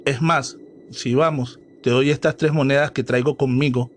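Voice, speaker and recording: A man's voice: mid-range voice, fairly even intonation, moderate pace, slight background noise, natural voice. A man voicing a cocky, daring young male cousin who teases and pushes the others. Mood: taunting. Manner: teasing, pushy.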